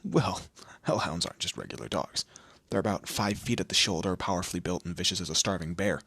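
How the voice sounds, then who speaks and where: A man voicing a deep, smug demon lord. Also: a little fast, a bit bright, slightly rough, no echo, full character voice. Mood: wry, matter-of-fact. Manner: theatrical, condescending, drawling, with amused asides. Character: smug, teasing male demon lord, proud torturer and bureaucrat. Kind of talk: scripted audio roleplay addressed to the listener.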